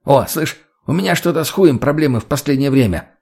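A man's voice: medium pitch, lively intonation, brisk, gravelly, darkish tone, breathy edge. A man playing a crude cheeky junkie guy. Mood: taunting. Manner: crude, provocative, drawling.

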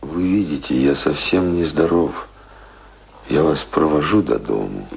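A disillusioned, famous man who has lost his taste for life. His voice is extremely deep, gravelly and very husky. He broods theatrically, as in a radio play, with faint music beneath. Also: measured pace, exaggerated voice. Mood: weary, apologetic. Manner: brooding, theatrical monologue delivery. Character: ailing, embittered celebrated man, disillusioned and weary of life. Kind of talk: Russian radio play acting. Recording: radio drama with music underneath.

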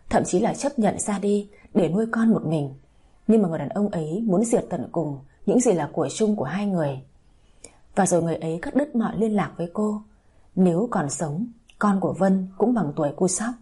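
Give me a woman storyteller with a mellow, breathy voice reading a drama. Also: medium pitch. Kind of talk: scripted story narration.

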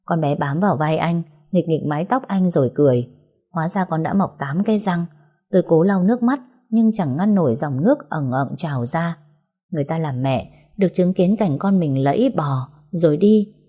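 A woman reads a first-person story aloud with a sorrowful, heartfelt delivery. Her voice is low-pitched and mellow, soft rather than bright. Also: moderate pace. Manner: sorrowful, heartfelt emotional reading. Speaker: narrator.

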